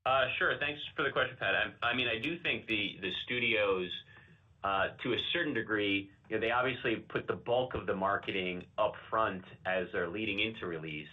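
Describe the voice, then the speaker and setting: A man with a very deep voice speaks as an executive taking analyst questions. He explains things in a measured, qualified way. The conference call audio is slightly dull and muffled. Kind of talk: earnings call answers.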